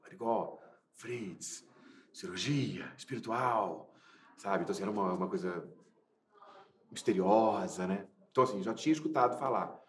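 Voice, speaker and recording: A low-voiced man from Minas Gerais talks about his acting work, circling back with fillers and restarts as he searches for words. The room around him rings with echo. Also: normal speed. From Minas Gerais, Brazil. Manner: hesitant, many repeated fillers and restarts. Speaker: actor interviewed about his film. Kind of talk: casual interview answers.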